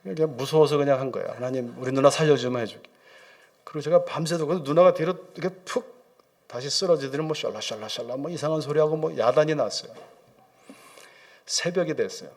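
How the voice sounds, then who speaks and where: A man's voice: a little high, quick pace, darkish tone. Middle-aged korean preacher man telling a story from the pulpit, acts out everyone's lines, some english mixed in. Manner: vivid storytelling, acting out quoted voices, mixing in English phrases. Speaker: preacher, Old Testament professor. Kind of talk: sermon storytelling. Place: church sanctuary.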